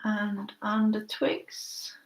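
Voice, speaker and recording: A woman's voice: mid-range voice, very slow, poor audio. A woman, teaching a casual live painting class, thinking aloud in short phrases as she works and chatting with viewers. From Finland. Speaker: art teacher.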